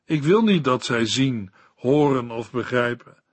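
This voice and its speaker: A man giving a scripted Bible commentary in a slow, measured reading voice. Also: mid-range voice, animated, slightly rough, no room sound.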